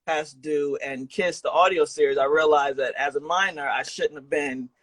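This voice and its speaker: A man's voice: a little high, steady tone, moderate pace, fairly bright tone, a little hiss or hum. A man hosting a casual remote interview, speaking in a slangy, encouraging and affirming way over an online call. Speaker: podcast host and interviewer. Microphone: remote video call.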